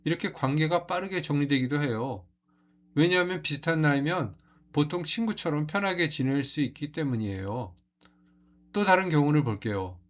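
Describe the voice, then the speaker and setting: Calm man explaining a lesson. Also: on the high side, normal speed, dull audio. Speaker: Korean language teacher.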